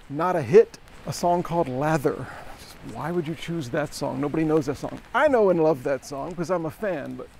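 Chatty gravelly man vlogging outdoors. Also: a little high, a little mellow, slight background noise. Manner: chatty, wry asides to the viewer. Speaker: travel vlogger. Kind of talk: casual walking vlog narration. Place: outdoors on rainy town streets and inside a shop. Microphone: handheld camera at arm's length.

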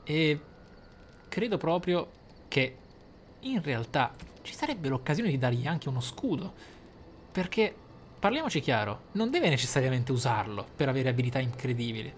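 A man commentating his game playthrough, thinking aloud in a deliberate, theatrical way with dramatic pauses. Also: medium pitch, lively intonation, slight background noise. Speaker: gaming YouTuber, player. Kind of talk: game playthrough commentary with role-play musing. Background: game music.

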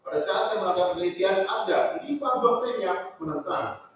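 Guy at his doctoral defense, lots of ums, kinda high voice, faint hiss in the room. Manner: measured, hesitant with frequent "eh" fillers. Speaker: doctoral candidate. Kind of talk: formal academic defense answer. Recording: distant, roomy, muffled with faint noise.

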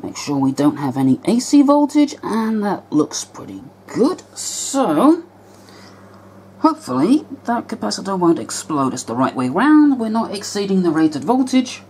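A woman's voice: mid-range voice, big pitch swings, measured pace, darkish tone, slight background noise. A woman narrating a hands-on repair in an explanatory, step-by-step manner, as a vlogger. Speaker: vlogger repairing vintage electronics. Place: indoor home workshop.

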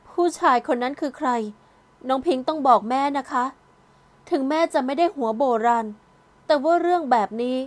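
A woman voicing a gentle, caring middle-aged mother in an audio novel, speaking softly and soothingly. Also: sits high, normal speed, natural voice. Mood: firm.

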